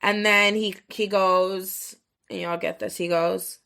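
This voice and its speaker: Bright-voiced, profane woman podcaster storytelling. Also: mid-range voice, slow, creaky, clear, resonant tone. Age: 30s. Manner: rambling, profane, filler-heavy, animated retelling with quoted voices. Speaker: podcast host. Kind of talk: casual storytelling monologue.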